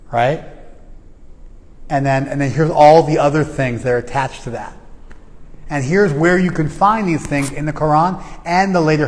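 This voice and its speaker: A man's voice: mid-range voice, a little mellow. A man teaching a class in a loose, conversational way, with joking asides and plenty of fillers. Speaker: spiritual teacher. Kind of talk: informal class lecture. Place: class venue with reverb. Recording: long hall reverb.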